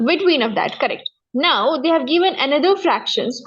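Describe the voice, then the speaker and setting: A high-pitched woman with a South Asian accent gives a maths lesson through slightly dull, lo-fi audio. She explains step by step, repeats key points and keeps adding short check-in questions. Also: animated, moderate pace. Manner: repetitive, frequent check-in questions. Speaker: maths teacher.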